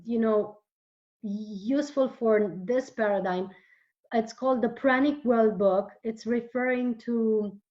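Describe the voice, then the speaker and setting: Romanian-born woman, halting and earnest. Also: a little high, highs cut off. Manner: earnest, halting with repeated words. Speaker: guest author and holistic therapist. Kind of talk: casual interview talk.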